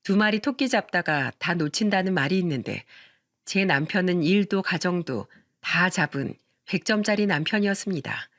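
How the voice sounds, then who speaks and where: A woman narrating a scripted first-person story for an online radio-story channel. She talks to her listeners in a conversational way, often asking them questions. Her voice is bright and forceful, and the sound is close and dry. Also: on the low side, animated, moderate pace, no echo.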